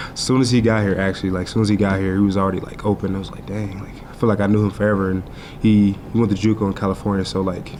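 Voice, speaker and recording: A man's fairly low, monotone, flat voice at a very fast pace, with audible room echo and noticeable background noise. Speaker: college football player. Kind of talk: press conference interview. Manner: halting.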